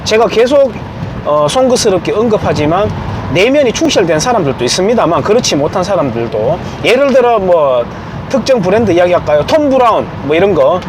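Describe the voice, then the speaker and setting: A man's voice: high voice, big pitch swings, fairly quick, background noise. A man giving an informal, emphatic opinion monologue. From Gyeongju, South Korea. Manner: emphatic, acts out quoted remarks. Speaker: commentator.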